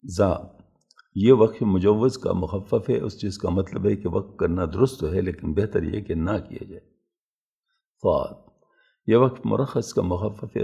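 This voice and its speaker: A man's voice: low voice, creaky, mellow, breathy edge. A man giving a patient, methodical religious lesson, explaining step by step with everyday examples. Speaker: religious teacher.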